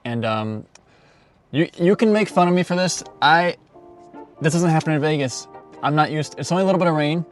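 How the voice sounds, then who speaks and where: A man's voice: fairly high pitch, a little fast, long pauses, faint music behind. A man talking casually to the camera as a road trip vlogger, rambling loosely and chuckling often. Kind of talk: casual vlog chat.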